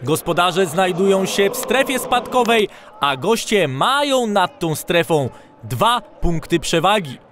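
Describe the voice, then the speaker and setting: A man narrating football match highlights as commentator, calm between chances and shouting when shots come. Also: unhurried, soft background music. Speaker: sports commentator. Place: voice-over over stadium crowd sound. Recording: loud crowd and field noise underneath. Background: stadium crowd and noise.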